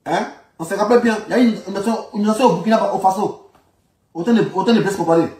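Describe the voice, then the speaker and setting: A man with an Ivorian accent offers informal political commentary, speaking colloquially and repeating phrases for emphasis. His voice sits high and a little mellow, and he talks very fast. The recording is echoey, with him distant from the microphone.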